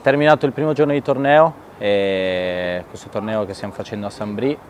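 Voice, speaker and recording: A man in his thirties, a youth football coach, gives a measured interview outdoors at night and pauses often to think. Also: lowish voice. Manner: measured, thoughtful, with filler pauses. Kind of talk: sit-down interview.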